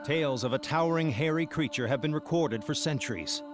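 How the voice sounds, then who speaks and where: A man reading scripted nature-documentary narration in a dramatic, measured storytelling way. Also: fairly high pitch. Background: music bed.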